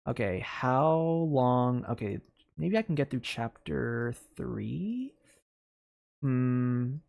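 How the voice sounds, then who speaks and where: A game streamer with an expressive delivery, reading a story aloud in storybook style and slipping into casual asides. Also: mid-range voice, extremely slow, vocal fry, highs cut off. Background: music.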